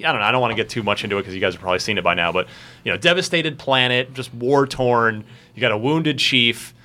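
A man chatting casually as a podcast panelist, animated and quick to act out quotes. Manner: animated, jumps into high mock voices when quoting. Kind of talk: casual chat.

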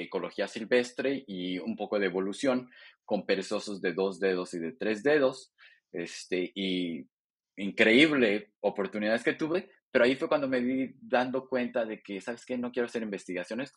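A man in his thirties from Mexico, speaking as a veterinarian guest and filling pauses with "este". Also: on the low side. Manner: conversational, fills pauses with "este". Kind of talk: interview testimony.

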